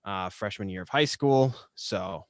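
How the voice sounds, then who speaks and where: A man talking casually as an interview guest, halting and often repeating his words as he searches for phrasing. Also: lowish voice, clear, resonant tone, no room sound. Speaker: podcast guest, writer and actor.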